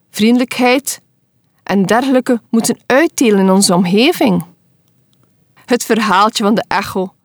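Slow, earnest Christian woman speaker. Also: medium pitch, no room sound, clean studio sound. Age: adult. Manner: earnest, encouraging, unhurried. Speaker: podcast host giving devotionals. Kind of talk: Christian devotional talk.

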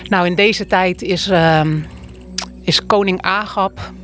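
A woman retelling and reading a Bible story in a plain, unhurried way, with small hesitations. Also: fairly low pitch, fairly even intonation, fairly bright tone, faint music behind.

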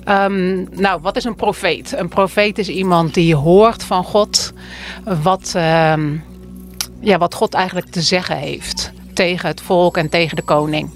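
Lady telling a bible story, lowish voice, soft music under it. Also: steady tone. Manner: plain, unhurried explaining with hesitations. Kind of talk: retelling and reading a Bible story.

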